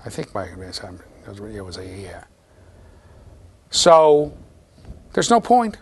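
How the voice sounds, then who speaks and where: A man with a low voice giving a classroom lecture, talking straight to the students in a lively, conversational way. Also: drawn-out words, noisy background. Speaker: university lecturer.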